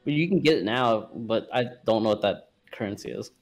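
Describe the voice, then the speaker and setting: A woman with a husky voice chatting casually and teasingly as a friend commenting on a game. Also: a bass voice, expressive, a little fast, a little mellow. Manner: teasing, wry. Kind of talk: casual chat.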